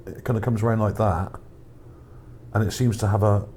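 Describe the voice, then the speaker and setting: Casually and without a script, a man talks over images he found for his video, hesitating and thinking aloud. His fairly low, darkish voice holds a steady tone at normal speed. Background noise sounds beneath him.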